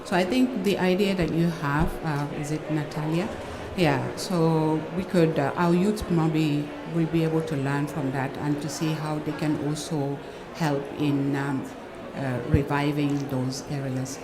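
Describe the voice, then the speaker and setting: A woman's voice: sits low, fairly even intonation, a little slow, background noise. A woman from the Gambia speaking from the audience, hesitant with frequent fillers. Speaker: audience member. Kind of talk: question from the floor.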